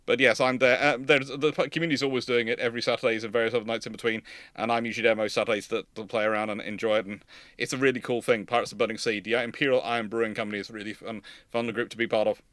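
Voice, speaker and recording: A man's voice: mid-range voice, little pitch movement, very fast, fairly bright tone, dry recording. A man hosting a casual live chat, telling stories in a rambling way. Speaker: live stream host.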